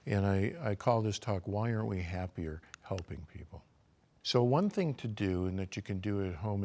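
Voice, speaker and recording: Calm low-voiced older male physician. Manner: calm, measured, guides listeners through self-assessment questions. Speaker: physician giving a lecture. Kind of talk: recorded health lecture.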